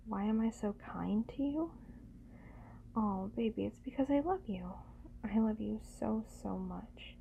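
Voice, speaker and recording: A woman playing a doting, teasing lover in an intimate ASMR roleplay, speaking gently and soothingly in a breathy voice that often slips into whispers. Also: medium pitch, narrow, tinny audio, a little hiss or hum. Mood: tender.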